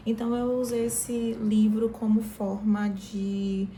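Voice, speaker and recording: Relaxed Brazilian woman vlogger, mellow tone. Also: mid-range voice, takes it slowly, a little hiss or hum, rough recording. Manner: relaxed, frequent fillers and restarts. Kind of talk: casual explanatory vlog.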